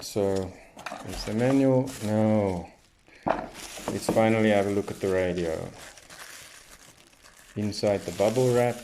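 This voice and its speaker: A man with a low, creaky voice talks through a product at a slow pace. He sounds like a hobbyist reviewer doing a casual first look, unscripted and thinking aloud as he reads off features. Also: mellow. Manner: unscripted, thinking aloud while reading off labels. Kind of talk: casual unboxing commentary.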